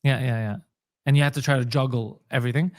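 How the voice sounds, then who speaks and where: A man's voice: mid-range voice, fairly even intonation, fast talker. A comedian and podcaster from Montreal, a man, telling his story in a casual interview and acting out the dialogue he quotes. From Montreal, Canada.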